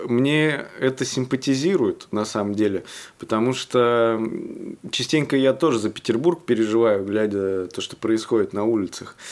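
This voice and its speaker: Here a man speaks at a medium pitch. His pace is fairly slow and his pitch varies in an ordinary way. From Tolyatti, Volga region, Russia. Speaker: podcast host. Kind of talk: casual interview.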